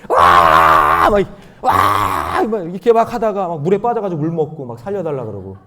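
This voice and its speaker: A male pastor delivers a dawn sermon in a fairly high voice that climbs and drops with great freedom. He lurches between forceful emphasis and soft, low asides, and he leads his listeners in reading scripture aloud together. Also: very fast, heavy background noise. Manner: animated, swinging between loud emphasis and quiet asides. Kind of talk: dawn prayer meeting sermon.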